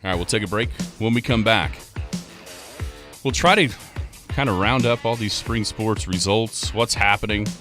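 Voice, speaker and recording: A man's voice: fairly low pitch, moderate pace, over music. A man hosting a sports radio show, chatting in an easygoing, joking, rambling way as he runs through scores.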